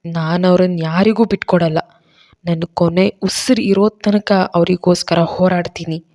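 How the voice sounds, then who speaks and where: A woman's voice: fairly low pitch, steady tone, moderate pace, warm tone, lo-fi sound, natural voice. A woman voicing a heartbroken young heroine who is emotional and determined.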